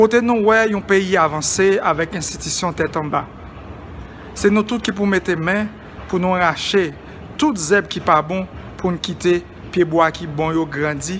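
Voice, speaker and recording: Someone with a Haitian accent talks at a moderate pace over noticeable background noise. The pauses are long and frequent. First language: Haitian Creole. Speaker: poet. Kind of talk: poetry reading.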